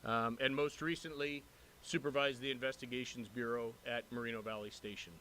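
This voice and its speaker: Bright-voiced man giving formal council remarks. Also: mid-range voice, steady tone, a little fast, poor audio. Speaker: police captain introducing a new lieutenant. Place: city council chamber. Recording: noticeable background noise, room ambience.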